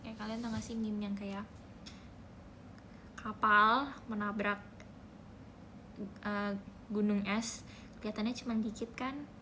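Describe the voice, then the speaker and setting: A young woman streaming live, chatting playfully in a soft voice, humming bits of songs and thanking viewers by name. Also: mid-range voice, flat delivery, slow pace, pauses often, a little hiss or hum. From Indonesia. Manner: playful, soft-spoken, sings snippets and reads out gifter names. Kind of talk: casual livestream chat.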